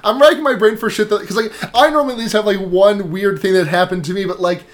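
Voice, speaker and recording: A woman's voice: mid-range voice, fast talker. A woman co-hosting a podcast in casual, joking, sweary chat, with a fan running in the room. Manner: sweary, informal. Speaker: podcast co-host.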